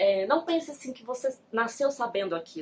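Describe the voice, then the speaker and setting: A soft-spoken woman with lively intonation at a moderate pace. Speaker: beginning teacher and vlogger. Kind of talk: casual vlog talk. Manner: hesitant with fillers.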